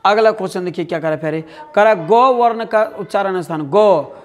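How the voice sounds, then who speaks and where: High-voiced Bihari man drilling a class. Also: fairly quick, muffled recording, faint music behind. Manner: drills answers, repeating words and asking the class; calls students "dear". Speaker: teacher. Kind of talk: online exam-prep lesson.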